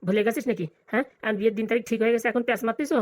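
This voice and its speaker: Woman playing a fast, blunt old village grandpa. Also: fairly high pitch, darkish tone, close to an everyday voice. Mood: scolding. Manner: scolding, blunt, colloquial. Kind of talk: comic cartoon dialogue.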